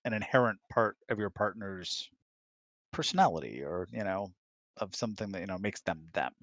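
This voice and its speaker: A man's voice: sits low, animated, normal speed, fairly bright tone, dry recording. A middle-aged man chatting casually as a co-host, rambling and acting out imagined remarks as he goes. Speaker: co-host, the husband. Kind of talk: casual chat. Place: close, dry room on an online voice chat.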